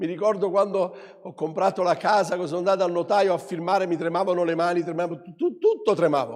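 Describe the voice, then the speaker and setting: The speech moves at a fairly quick pace. The tone is animated. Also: man. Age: 60s. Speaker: pastor. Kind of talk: sermon.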